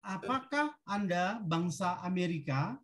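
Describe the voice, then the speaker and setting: A woman teacher reads out short drill sentences at a very slow pace. Her delivery is deliberate and instructional, leaving each phrase ready to be repeated. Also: on the low side, expressive. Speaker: language teacher. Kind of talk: language drill, reading short sentences for repetition.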